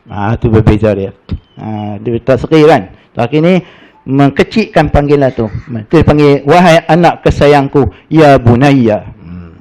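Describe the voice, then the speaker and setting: A man's voice: medium pitch, expressive, unhurried, a little mellow. A middle-aged man with a Malaysian Malay accent teaching a casual religious class, telling stories in a chatty, folksy way and reciting Arabic verses.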